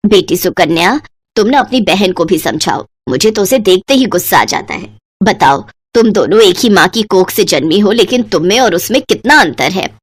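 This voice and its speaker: A woman's voice: medium pitch, animated, moderate pace, breathy edge, pitched below the performer's own voice. Woman doing a stern older cartoon mother-in-law. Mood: scolding. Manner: scolding.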